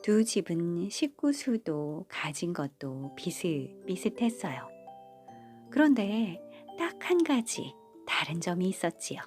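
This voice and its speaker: A woman reading a bedtime folk tale in a gentle, motherly storytelling manner. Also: lowish voice, very animated, slow pace. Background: faint background music.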